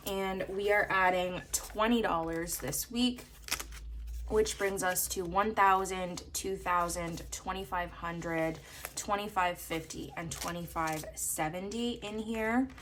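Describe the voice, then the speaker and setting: A young woman from Canada, slightly hoarse from a coming cold, chatting casually as she counts bills aloud in a steady rhythm. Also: lowish voice, slow, slight background noise. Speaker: budgeting vlogger. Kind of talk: casual narration while counting cash.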